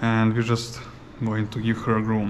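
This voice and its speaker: The speaker has a Serbian accent, and light background noise can be heard. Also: man. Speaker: dog groomer. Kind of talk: grooming tutorial video. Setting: grooming salon. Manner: casual. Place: shop. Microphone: camera far.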